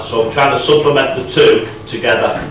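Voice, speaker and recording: Moderate pace, light background noise and audible room echo. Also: man. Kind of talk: casual vlog chat. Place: garage. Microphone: camera far.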